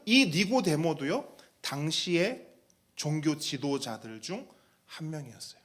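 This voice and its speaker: Lively high-voiced preaching pastor. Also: male voice. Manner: animated preaching, asks the congregation questions, acts out quoted voices. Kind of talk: sermon.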